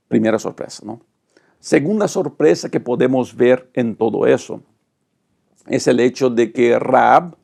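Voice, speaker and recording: A man's voice: medium pitch, creaky, warm tone. A middle-aged male pastor, teaching a Bible study lesson with dramatic, emphatic delivery and rhetorical lists.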